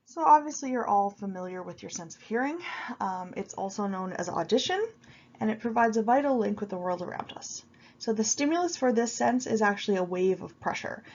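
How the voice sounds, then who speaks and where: A woman with a head cold talks through a recorded lecture, her voice a little sniffly. She explains in a relaxed, informal way, filling pauses with ums and restarting phrases. The audio is slightly dull and lo-fi, as if from a computer microphone. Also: mid-range voice. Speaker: university lecturer.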